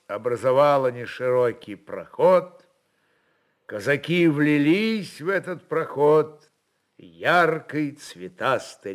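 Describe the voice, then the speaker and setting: A man narrating a literary story in an expressive, dramatic reading style. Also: on the high side.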